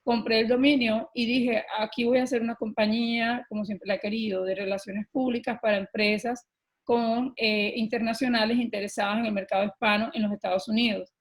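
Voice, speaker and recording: This middle-aged guest, with a Colombian accent and a slightly high-pitched voice, shares personal stories in an interview podcast. Animated and earnest, she keeps stopping briefly on "eh" or "este" and then carries on.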